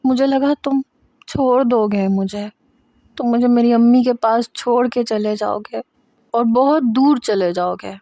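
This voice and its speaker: A woman's voice: fairly high pitch, dark tone, no room sound, close to an everyday voice. A woman voicing a frightened, childlike young wife who pleads through tears in a storybook reading. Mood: sobbing. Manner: pleading, crying.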